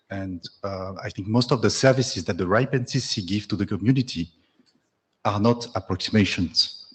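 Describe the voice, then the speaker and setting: A man with a French accent making a measured, reasoned comment from the floor at a conference. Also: on the low side, slightly rough. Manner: measured, reasoned argument with brief apologies. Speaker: audience member commenting at the microphone. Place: conference hall.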